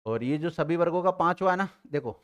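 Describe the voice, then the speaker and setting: A man teaching Hindi grammar to a live class, drilling students and repeating letters slowly, with a Rajasthani Hindi accent. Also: on the high side, lively intonation, smooth, muffled recording.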